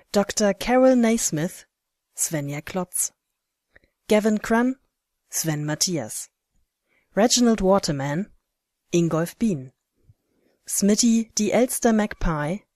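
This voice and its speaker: A woman reading scripted cast credits as announcer in a measured, formal way. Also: fairly low pitch, darkish tone, dry recording, clean studio sound. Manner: measured, formal, list-like delivery.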